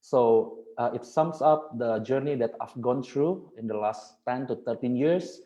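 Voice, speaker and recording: A young man from Indonesia speaks English as a second language in an earnest, formal presentation, stacking repeated phrases for emphasis. His voice is soft and mellow, heard through a computer microphone on a video call. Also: medium pitch, a little slow, rough recording. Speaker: guest speaker. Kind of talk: webinar presentation. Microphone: computer mic on video call.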